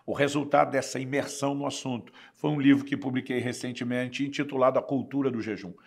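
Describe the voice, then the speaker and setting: A middle-aged man with a Brazilian Portuguese accent, a pastor giving an earnest, measured teaching sermon mixed with personal testimony. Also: medium pitch, fairly even intonation, vocal fry, darkish tone.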